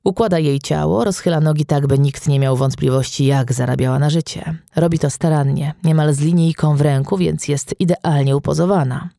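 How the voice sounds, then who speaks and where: A man narrating a crime novel audiobook in a steady, even storytelling manner. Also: on the high side, fairly quick, vocal fry, no echo, clean studio sound.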